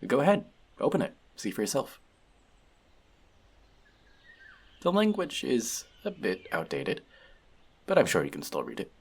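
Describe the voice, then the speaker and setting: A man's voice: medium pitch, wildly swooping pitch, normal speed, breathy edge, full character voice. A man playing an earnest, bookish elf outcast in an audio roleplay, confiding in a friend in a hesitant, self-doubting way. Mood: eager, sharing. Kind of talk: scripted audio roleplay addressed to the listener.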